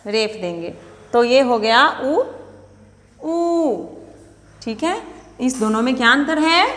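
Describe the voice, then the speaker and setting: A woman's voice: high voice, long reverb tail. A woman teaching young children to write letters, patiently repeating each step and asking them questions. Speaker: nursery teacher.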